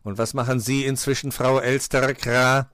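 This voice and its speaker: A man voicing a sensible black-feathered bird in a storybook, measured and given to cawing. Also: medium pitch, little pitch movement, fairly bright tone, no room sound, studio quality, voice pushed up, lightly acted. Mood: helpful. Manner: measured, caws between phrases.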